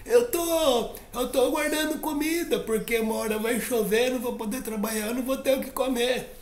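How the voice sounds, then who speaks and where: A man voicing a tiny, hardworking ant who talks quickly and indignantly. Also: extremely high pitch, voice pushed up. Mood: earnest. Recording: roomy echo.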